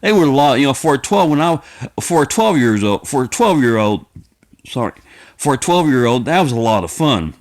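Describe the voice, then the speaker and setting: A man talks in a mid-pitched voice. He rambles in a folksy, homespun way, stopping short and repeating himself as he goes. The delivery is casual and unscripted, like a personal vlog. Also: very animated. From United States. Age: 50s. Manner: repetitive, halting, circling back over phrases; folksy, plainspoken. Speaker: video creator.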